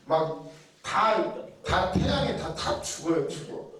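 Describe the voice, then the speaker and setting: A man's voice: high-pitched, lively intonation, takes it slowly, a bit bright. A man preaching a sermon in a chatty way, asking rhetorical questions and acting out people's inner thoughts. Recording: very echoey room, heard from a distance.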